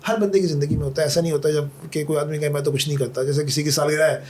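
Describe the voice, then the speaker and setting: A man's voice: on the high side, fairly even intonation, rapid-fire, a little mellow. A man from Karachi, a podcast guest, talking in a thoughtful, conversational way, telling anecdotes and quoting poetry. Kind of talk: reflective conversational Urdu talk.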